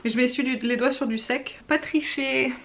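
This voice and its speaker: A woman's voice: high-pitched, fairly even intonation, moderate pace. A woman chatting casually as she swatches makeup, gushing and sometimes dropping to a whisper. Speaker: beauty vlogger.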